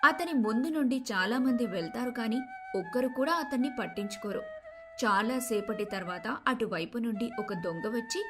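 A woman reading a scripted moral story as its narrator. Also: fairly high pitch.

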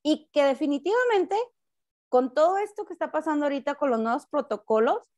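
A middle-aged woman with a Mexican accent talks in a loud, high voice that sounds close to shouting. She chats casually as a guest on a talk show, often breaking off and repeating herself. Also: expressive, fairly quick. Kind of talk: casual chat.

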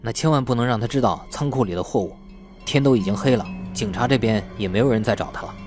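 A man's voice: mid-range voice, quick pace, a little mellow, faint music behind, natural voice. A man voicing a wary, bossy young man in an audiobook. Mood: wary, urgent.

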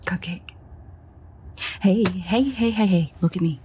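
Low-voiced female vampire played by a woman, slow pacing, breathy and hushed, sardonic, coaxing, audio roleplay. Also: close to an everyday voice. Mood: anxious, soothing. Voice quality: hushed, breathy, often near a whisper. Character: foul-mouthed, teasing female vampire with a protective streak. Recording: faint ambient noise, rain.

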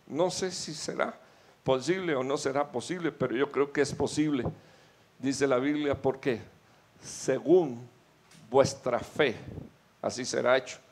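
A middle-aged man preaching a sermon fervently, telling of his own experiences and calling listeners brother. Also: mid-range voice.

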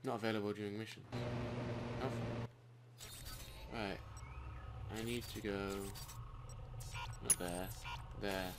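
A man's voice: on the low side, fairly even intonation, slow pace, pauses often. A young man giving casual let's play commentary as he plays a video game. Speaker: gamer commentator. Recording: quiet voice under loud game traffic noise.

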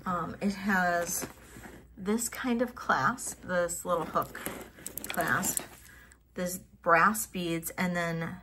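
A middle-aged woman casually showing off vintage jewelry finds, thinking aloud and trailing into soft mutters as she tests stones. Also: on the low side, steady tone, very slow, noisy background. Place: home office at a table.

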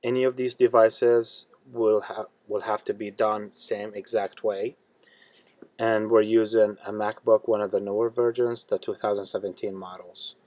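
A man hosting a step-by-step tech tutorial in a plain, steady instructional manner. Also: fairly low pitch, normal speed, dry recording. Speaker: tutorial host.

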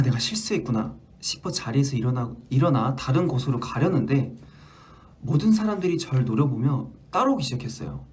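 Brief: man, 20s, livestream host, animated and easily spooked, reads with little restarts. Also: fairly high pitch. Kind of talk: casual livestream chat reading fan stories.

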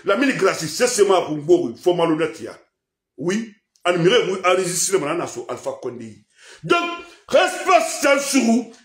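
A man with a Guinean accent, a political commentator ranting in French mixed with a local language, swinging between loud outbursts and low mutters. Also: big pitch swings, normal speed, echoey room. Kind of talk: impassioned radio-style rant.

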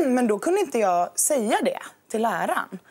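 A young woman on a TV panel, speaking in an animated and thoughtful way in a studio discussion. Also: a little high, slightly rough. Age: young adult. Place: bright TV studio, round table.

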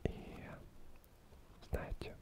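A Ukrainian man in his thirties hosts an ASMR session, reading a book and chatting in a soft, breathy, indistinct whisper. His pace is calm, unhurried and lulling, and he sits very close to two foam-covered microphones.

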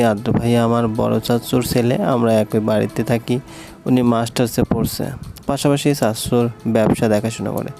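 A man narrating a romantic story aloud in a steady, even storytelling manner. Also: mid-range voice, creaky.

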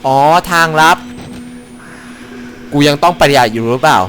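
A young man giving crude, jokey commentary on a horror game, yelling and cursing when something startles him. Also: medium pitch, normal speed. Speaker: gaming YouTuber. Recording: faint background noise.

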